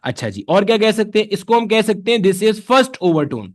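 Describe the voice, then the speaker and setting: A man leads a physics lesson in a high, bright-toned voice. He talks to the class casually, firing off questions and answering them himself. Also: big pitch swings, moderate pace. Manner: conversational, answers his own questions in students' voices. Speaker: physics teacher. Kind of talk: classroom lecture.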